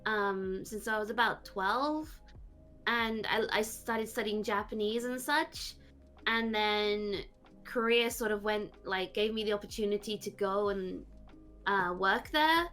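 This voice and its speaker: A woman VTuber being interviewed, talking casually and haltingly with lots of fillers. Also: medium pitch, a bit bright, soft background music. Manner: rambling, halting, many fillers. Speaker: VTuber guest.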